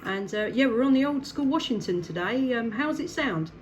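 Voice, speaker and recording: A woman's voice: on the high side, expressive, moderate pace. A woman CB radio operator making casual contact chat in an upbeat, encouraging way. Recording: clear background noise.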